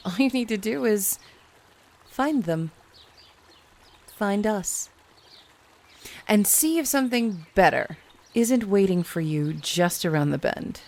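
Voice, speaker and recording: Slow, silky, haughty female envoy. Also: mid-range voice, animated, darkish tone. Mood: coolly inviting. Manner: deliberate, condescending, mock-polite. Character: haughty, silkily menacing female envoy of an elite haven. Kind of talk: in-world radio broadcast in an audio drama.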